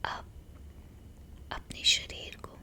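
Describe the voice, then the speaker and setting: A woman with an Indian accent giving a whispered ASMR guided meditation in short, soothing, gentle instructions. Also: very slow.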